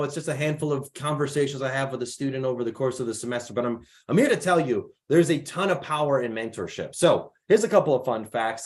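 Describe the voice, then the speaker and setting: A young man from the Chicago area hosts a casual online mentor workshop over a video call. He is slightly raspy from allergies and chats easily, reading out attendees' names and where they are from. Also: a little high. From Chicago area, United States. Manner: chatty, reads out attendees' names and places. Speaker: program founder hosting a mentor workshop.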